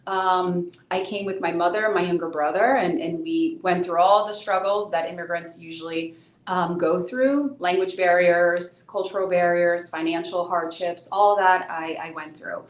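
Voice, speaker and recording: A woman's voice: fairly low pitch, steady tone, normal speed, echoey room. A woman in her thirties, born in Brazil with Portuguese as her first language, answering interview questions as an immigration attorney in an earnest, explanatory way, often repeating a word as she starts a phrase.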